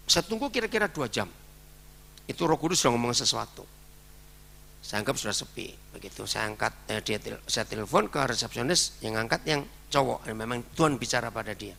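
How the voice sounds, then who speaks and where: Animated, gravelly-voiced male preacher. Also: mid-range voice, moderate pace, pauses often. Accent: Indonesian. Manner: animated, acting out dialogue in his story. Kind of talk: sermon with storytelling.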